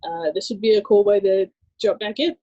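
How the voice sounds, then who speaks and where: A woman in her thirties from Southern California, a podcast guest telling her life story in a relaxed way, laughing easily and using many fillers. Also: medium pitch, fairly quick, dull audio. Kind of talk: personal testimony in casual chat.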